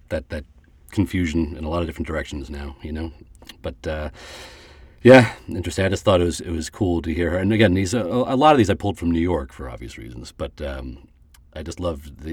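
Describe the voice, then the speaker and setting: A man hosts a casual chat in a halting way and laughs easily. His voice is very deep and husky. It sounds close and dry, with no room echo. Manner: halting, quick to laugh and affirm. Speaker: podcast host.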